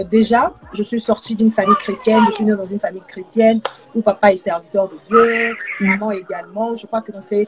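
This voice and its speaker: Brisk young woman from Congo, gospel singer guest on a video call, faint music behind. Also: mid-range voice, poor audio. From Democratic Republic of the Congo. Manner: soft-spoken, with frequent fillers and repetition. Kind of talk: casual live-stream chat.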